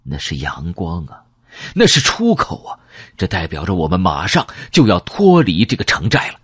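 A man's voice: low voice, huge pitch swings, moderate pace, a bit bright, husky, no room sound. A man reading a novel aloud in dramatic first person, telling the story vividly and expressively into a close mic. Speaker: audiobook narrator.

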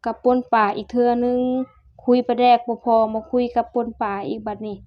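A woman's voice: on the high side, flat delivery, a little fast, no room sound. Chatty Isan woman vlogging a meal. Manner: chatty, addresses viewers as family, mixes dialect in. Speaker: cooking and eating vlogger. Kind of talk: casual cooking and eating vlog. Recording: dull, dry sound.

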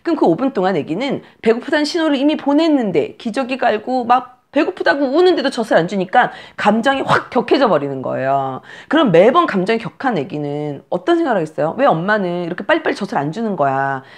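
Emphatic, animated woman coaching new mothers. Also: on the high side, quick pace, few pauses. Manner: direct, emphatic, uses commands and acts out scenes. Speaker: postpartum care and breastfeeding instructor.

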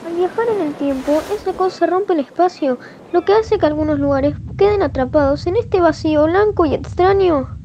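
Tiny, very squeaky fox kid done by a woman. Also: moderate pace, highs cut off. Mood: earnest. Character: small, younger fox boy, cute, earnest. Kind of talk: Latin American fandub of game cutscenes.

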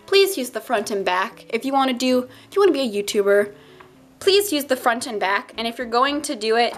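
A young woman talks through her old art in a loose, rambling way, cracking jokes at her own expense. Her voice sits a little high and sounds stuffed up. Soft music plays faintly underneath. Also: animated, a little fast. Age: young adult. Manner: chatty, self-mocking, rambling asides. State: stuffy nose. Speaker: art YouTuber. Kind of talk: casual sketchbook tour chat.

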